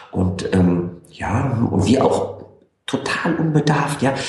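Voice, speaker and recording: Lively intonation from a man at a medium pitch, with audible room echo. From Germany, Koblenz. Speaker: coach and entrepreneur. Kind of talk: casual chat.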